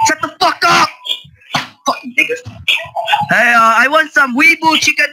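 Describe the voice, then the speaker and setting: A man making prank calls on a group voice chat, talking casually in a crude, halting way full of swearing. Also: extremely high pitch, heavy background noise. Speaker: prank caller. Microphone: computer mic on an online voice call.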